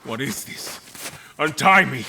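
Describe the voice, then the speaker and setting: An actor playing a disoriented, indignant captive admiral, demanding and confrontational in an audio horror drama. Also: male voice, medium pitch, lively intonation, unhurried, vocal fry, sharp tone, a little hiss or hum, exaggerated voice. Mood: alarmed, angry.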